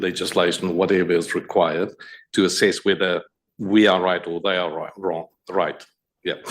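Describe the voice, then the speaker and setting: A man with a non-native accent speaks at a very deep, low pitch in a monotone, flat delivery. The recording is very clean, with a silent background. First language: not English. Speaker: auditor. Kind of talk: committee meeting discussion.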